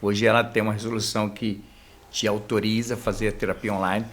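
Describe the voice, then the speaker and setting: A man's voice: on the low side, level tone, fast, fairly bright tone. A middle-aged man with a Brazilian Portuguese accent, a couples therapist guest explaining things in a casual podcast chat, often tagging phrases with a filler. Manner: explanatory, many filler tags at phrase ends.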